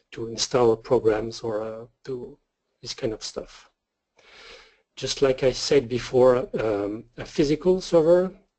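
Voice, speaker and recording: A man with a French accent speaks at a medium pitch in a dark, mellow tone. His pace is very slow, with big swings in loudness. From France. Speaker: trading server provider, webinar presenter. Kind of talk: webinar presentation. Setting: online webinar. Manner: halting.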